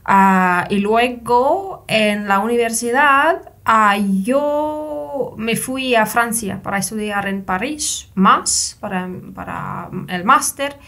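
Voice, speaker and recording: A woman's voice: a little high, slow, hardly any pauses, a bit bright. Woman from Finland speaking a learned language. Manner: careful, non-native, self-correcting. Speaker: guest. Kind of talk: conversational interview.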